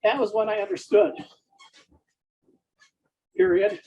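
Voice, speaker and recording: Husky, creaky voice dictating with spoken punctuation. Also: medium pitch, sing-song, a little mellow, lo-fi sound. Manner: halting, delivered in short separated phrases. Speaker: author dictating a story. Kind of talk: dictating prose aloud, speaking punctuation marks.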